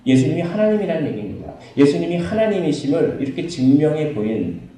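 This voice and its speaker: Man, pastor, sermon, dramatic quoted lines, mellow tone, roomy hall echo, distant mic. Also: fairly high pitch, big pitch swings, fast. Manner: acts out quoted cries with raised voice. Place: church sanctuary. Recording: echoey church hall from far off.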